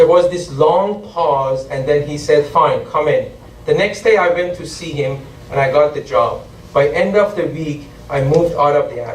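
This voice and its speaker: Amid noticeable background noise and audible room echo, a man talks at a moderate pace with big swings in loudness. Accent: Persian. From Iran. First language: Persian. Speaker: venture capitalist. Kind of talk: public talk.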